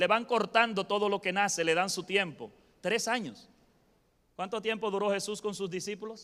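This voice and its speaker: With a bright, sharp tone, a man speaks at a high pitch, keeping a moderate pace and fairly even intonation. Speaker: preacher. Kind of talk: sermon.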